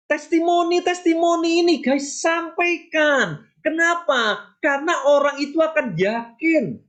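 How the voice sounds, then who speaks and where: A woman gives a motivational training talk as a mentor. Her voice sits fairly high and swings widely in pitch. She is emphatic and chatty, addressing listeners directly and tossing out rhetorical questions. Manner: acts out short sample dialogues.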